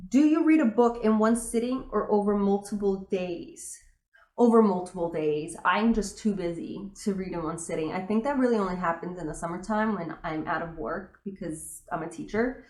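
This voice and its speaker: A woman's voice: mid-range voice, normal speed, darkish tone, echoey room. A young woman, a teacher, chatting casually through a book tag with lots of fillers and emphatic opinions.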